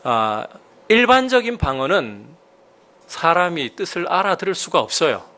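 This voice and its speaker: Animated preaching pastor, high and lively. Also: male voice, moderate pace. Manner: emphatic preaching with sudden rises in pitch and volume; asks the congregation questions. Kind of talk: sermon.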